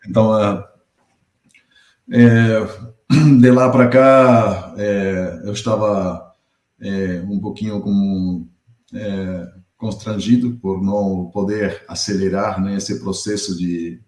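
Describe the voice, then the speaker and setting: A middle-aged Argentine man with a deep, mellow voice, talking as a guest on a podcast. He speaks in a measured, thoughtful way and often pauses to find his words. The room around him is noticeably echoey. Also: steady tone. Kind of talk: podcast interview.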